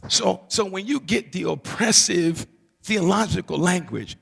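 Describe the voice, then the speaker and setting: A man's voice: sits high, measured pace, vocal fry, breathy edge, in a large hall. A man preaching a teaching sermon as pastor, with emphatic repetition and call-and-response asides to the congregation. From Barbados.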